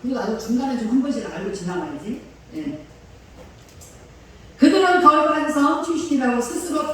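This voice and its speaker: A woman pastor giving a chatty sermon, with laughing asides and slow scripture reading. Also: high-pitched, fairly bright tone. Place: church sanctuary. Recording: echoey hall from far off.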